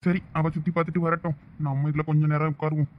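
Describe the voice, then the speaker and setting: A man voicing a high-voiced grumbling cartoon husband with a Thoothukudi accent. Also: level tone, fast, very noisy, close to an everyday voice. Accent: Thoothukudi Tamil. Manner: grumbling asides, earnest. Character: devoted young husband, anxious and grumbling. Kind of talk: cartoon voice acting. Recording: dull lo-fi audio.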